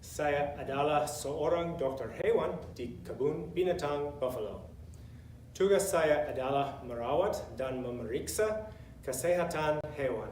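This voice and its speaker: American man, non-native and deliberate, slow self-introduction, picked up from afar with faint noise. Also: a little high, lively intonation, a little mellow. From Indiana, United States. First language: English. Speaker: language student. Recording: roomy, distant mic, faint noise.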